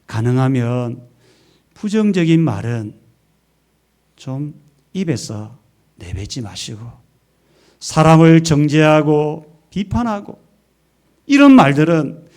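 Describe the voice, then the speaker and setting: A man's voice: a little high, very animated, slow pace, long pauses, darkish tone. A male pastor preaching a Sunday sermon in a church, emphatic, asking rhetorical questions and leading the congregation to repeat after him. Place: church sanctuary.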